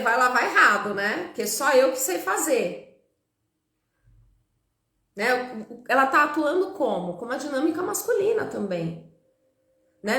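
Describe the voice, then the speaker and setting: A woman psychologist in her thirties talks to her live audience in a loose, chatty way, tagging her sentences with little questions. Her voice sits a bit high, and the room adds a clear echo around it. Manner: chatty, warm asides, frequent "né?" tags, laughs with viewers. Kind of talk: live-stream talk to viewers. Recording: echoey room.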